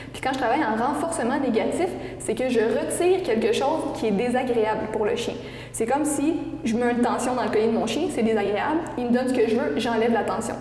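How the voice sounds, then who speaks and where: A woman's voice: on the high side, darkish tone, roomy sound, big-room sound, slight background noise. A woman dog trainer with a Québécois French accent, patiently explaining training methods with everyday examples in an interview.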